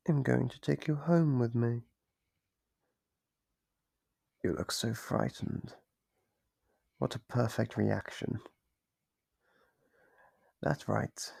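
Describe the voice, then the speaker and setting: A man voicing a playful, sadistic monster from under the bed in an ASMR roleplay, gravelly and breathy, savoring his slow, mock-gentle taunts. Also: medium pitch, dry recording, heavily acted. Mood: scornful, eager. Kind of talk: ASMR roleplay, scripted monologue. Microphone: close microphone.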